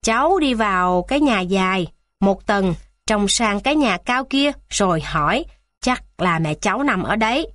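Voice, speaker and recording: A woman voicing a stern male hospital gate guard in a children's storybook, in a gruff scolding manner. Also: mid-range voice, lively intonation, normal speed, no echo, clean studio sound, natural voice. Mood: gentle. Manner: gruff scolding, softening later.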